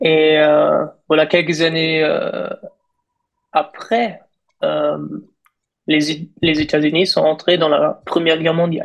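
A man with a German accent, very slow and broken by long, frequent pauses. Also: very even loudness. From Germany. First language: German (speaking French). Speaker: economist and university lecturer. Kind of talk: interview. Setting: online recording. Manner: halting, with many hesitations.

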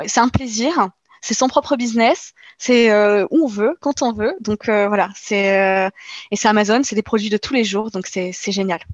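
A woman with an unremarkable speaking voice talks at a fairly high pitch with ordinary pitch variation, the sound dry and close with no echo. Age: 30s. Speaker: online seller and business engineer. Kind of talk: interview.

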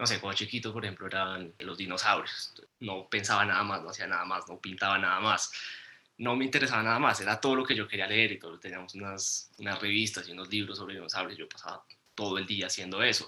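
A man's fairly low voice at a very fast pace, with fairly even intonation and big swings in loudness. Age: 20s. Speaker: history student. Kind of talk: interview.

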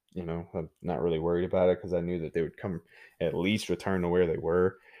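Over a silent background on a very clean recording, a man with a very deep, low voice and a dark, mellow tone talks very fast in a flat monotone. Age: 30s. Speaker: crypto podcast host. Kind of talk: casual solo talk. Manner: halting, many fillers.

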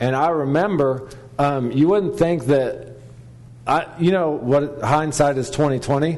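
Speaking very slowly, a man keeps a fairly even intonation at a fairly high pitch. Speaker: traveling preacher and missionary. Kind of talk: sermon. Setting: church service with congregation. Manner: loud.

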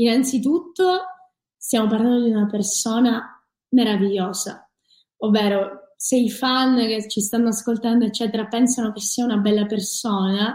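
Somewhat breathy and fairly high in pitch, a woman's voice has a dark, mellow tone. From Sicily. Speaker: photographer. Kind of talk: interview. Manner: assertive.

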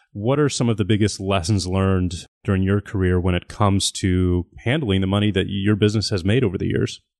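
Over a quiet background, a man with an unremarkable speaking voice talks at a fairly quick pace and fairly low pitch, with ordinary pitch variation, very even loudness and hardly any pauses. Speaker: podcast host. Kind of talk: interview, casual conversation. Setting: phone call.

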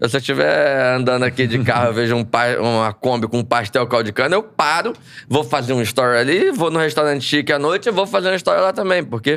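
In an ordinary speaking voice, a man talks at a fairly quick pace with lively intonation and very even loudness. His pitch is fairly high. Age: 30s. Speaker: retired footballer. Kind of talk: casual chat.

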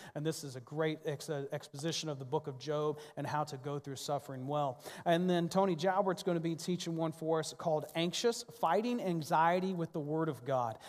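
A man's fairly high-pitched, ordinary speaking voice, with ordinary pitch variation, a fairly quick pace and hardly any pauses. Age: 30s. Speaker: pastor. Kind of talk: sermon; church announcements. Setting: church. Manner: casual, conversational.

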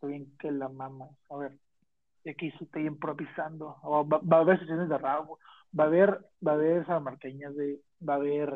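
Talking at a fairly quick pace in a fairly high pitch, a man uses monotone, flat intonation with big swings in loudness and long, frequent pauses. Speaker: podcast co-host. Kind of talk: casual chat. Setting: recording on a phone. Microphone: phone mic, lower quality than usual.

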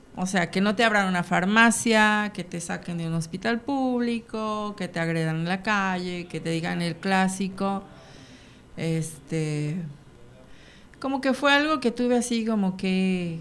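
Speaking at a fairly slow pace, a woman uses a medium pitch with ordinary pitch variation in a normal speaking voice. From Mexico, Michoacán. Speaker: activist guest. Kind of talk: radio interview.

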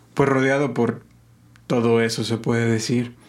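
The delivery comes at a fairly slow pace. The intonation stays monotone and flat. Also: man. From Guadalajara and Michoacán, Mexico. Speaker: host's fiancé. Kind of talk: casual chat. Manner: quiet.

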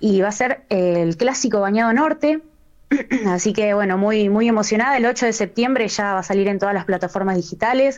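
A woman with a plain, everyday voice talks at a fairly quick pace, her medium pitch showing ordinary variation. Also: very even loudness. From Argentina. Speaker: folk singer. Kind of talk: interview. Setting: remote call.

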